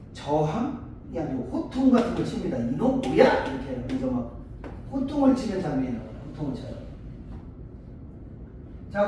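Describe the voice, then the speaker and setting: A male Korean literature tutor lectures his class with a high, animated, mellow voice, often asking students check-in questions and acting out brief dialogues to explain his points. The sound is echoey and distant, the mic far off across the room, with faint background noise.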